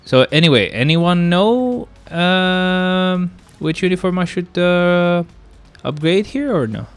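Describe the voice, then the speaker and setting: A man's voice: sits high, animated, takes it slowly, smooth, no room sound, faint music behind. A young man with a stuffy nose from a cold, chatting casually to his live-stream viewers and getting exasperated with the game. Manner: chatty, easily exasperated, talks to chat.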